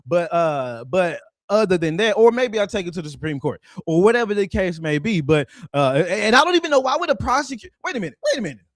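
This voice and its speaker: A man's voice: high voice, sing-song, fast talker, few pauses, dry recording, studio quality. A man giving casual, profane ranting commentary, laughing often and mocking someone.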